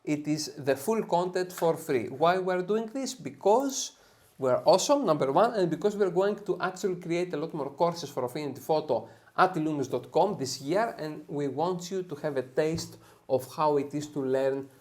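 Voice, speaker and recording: A man's voice: a little high, lively intonation, normal speed, darkish tone. Greek-accented man teaching photo editing. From Greece. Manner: upbeat, tags sentences with "okay?". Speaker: software tutorial host. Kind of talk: screen-share editing tutorial.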